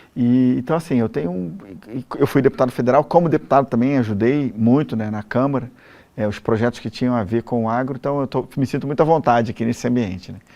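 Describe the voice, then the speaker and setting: Speaking at a very fast pace in a Rio de Janeiro accent, a man with a medium pitch and a dark, mellow tone uses ordinary pitch variation. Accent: carioca (Rio de Janeiro). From Rio de Janeiro, Brazil. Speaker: politician, former army officer. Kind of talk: TV interview. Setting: TV studio.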